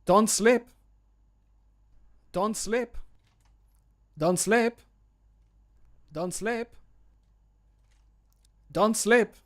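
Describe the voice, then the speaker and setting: Fantasy game hero played by a man: young, excitable, high-pitched male, emphatic short combat barks, close-miked. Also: very slow, pauses often, full character voice. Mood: eager, alert. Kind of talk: short video game battle voice lines. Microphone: close desk microphone.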